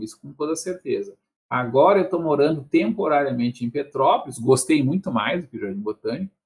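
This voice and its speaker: A man's voice: a little high, gravelly. A man in his fifties with a Porto Alegre accent, rambling and chuckling on a video call with a headset, often adding tag questions. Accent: Porto Alegre Brazilian Portuguese. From southern Brazil. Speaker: guest in a debate. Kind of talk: casual video call conversation.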